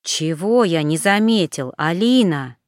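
A tired young man, as a woman reader puts him on, presses for answers in a low-key, insistent way. The tone stays smooth and close, with a dry, clean sound. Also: expressive, a little slow, no room sound. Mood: weary. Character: weary bewildered young man, trying to stay calm.

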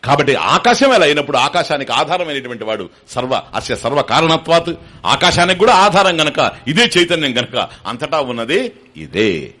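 A man's voice: fairly high pitch, very animated, normal speed, pushed and bright. A man giving a spiritual sermon, asking rhetorical questions and chanting verses. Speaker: spiritual teacher giving discourse. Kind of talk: sermon on scripture.

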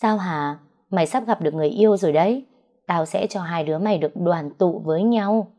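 A cruel, scheming young woman taunts her rival in a storybook tale, as a woman narrator puts her on. Her voice stays low and warm, and she mocks with a sneer. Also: fairly quick, close to an everyday voice. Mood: taunting.

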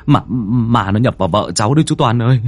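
A man's voice: medium pitch, expressive, quick pace, a little mellow, soft background music, close to an everyday voice. A man voicing a frightened young husband, frantic and stammering. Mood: terrified.

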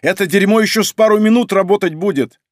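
A man voicing a young male aristocrat fighter, yelling and cursing under heavy strain. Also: sits high, fast, no room sound, clean studio sound, voice pushed up, lightly acted. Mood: desperate.

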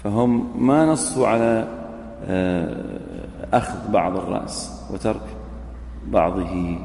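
A man's voice: lowish voice, measured pace, vocal fry, darkish tone, a little hiss or hum. A man teaching a jurisprudence class. He reads a line from the text, repeats it, then quizzes his students. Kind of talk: classroom lecture on a legal text. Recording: echoey hall recording with faint ambience.

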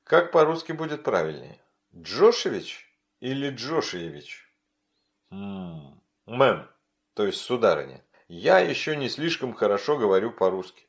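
A man's voice: on the low side, very animated, a little slow. A man voicing a young American man, polite and hesitant, speaking Russian with care as he learns it. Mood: polite, unsure.

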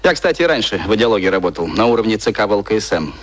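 A man's voice: lowish voice, sing-song, very fast. Cynical, convivial adman boss. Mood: tipsy, cynical. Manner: sardonic, familiar, mentoring. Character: cynical, convivial male adman, former propaganda official, drinking. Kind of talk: naturalistic radio play dialogue.

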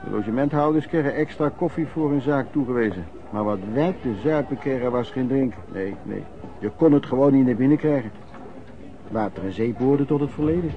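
A man's voice: mid-range voice, a little fast, natural voice. Man playing an earthy old vagrant storyteller, muffled. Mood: earthy reminiscing. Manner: hesitant, repeating words, colloquial storytelling. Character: old vagrant recalling wartime lodging-house life, earthy storyteller. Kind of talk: radio drama acting, reminiscing monologue. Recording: muffled old radio recording, background noise.

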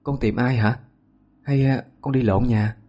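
A man's voice: mid-range voice, fairly even intonation, measured pace, mellow, lightly acted. A man voicing a grieving young village mother who stammers in distress. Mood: puzzled.

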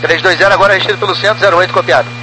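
A man's voice: high-pitched, fairly even intonation, very fast. A man with a Brazilian accent giving terse pilot readbacks over a crackly, military-style radio. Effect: crackly military-style aviation radio. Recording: crackly radio, humming noise.

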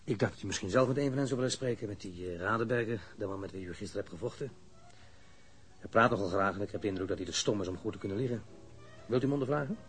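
A man's voice: fairly low pitch, rapid-fire, natural voice. A man acting a courteous, considerate police officer in a radio drama, speaking politely and tentatively. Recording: clear background noise in radio recording.

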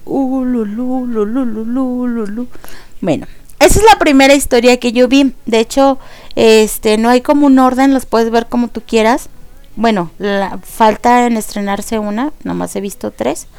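A young woman with a Mexican accent hosting a radio show, excitedly recapping a series in casual chat. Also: a little high, smooth, dry recording. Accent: Mexican Spanish. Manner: expressive, excitable storyteller.

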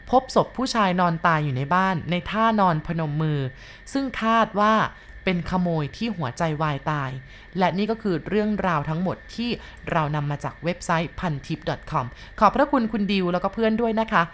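A woman host telling a ghost story in calm, slow-paced scripted narration with polite endings. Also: fairly low pitch, a little hiss or hum.

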